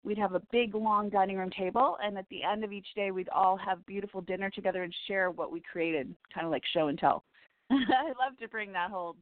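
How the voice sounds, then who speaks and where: A woman's voice: mid-range voice, brisk, no echo. Scratchy-voiced woman host on a phone line. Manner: chatty and heartfelt, with little laughs and restarts. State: scratchy, hoarse voice. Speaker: radio show host and psychic reader. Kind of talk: rambling spiritual radio monologue. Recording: tinny phone line, dry.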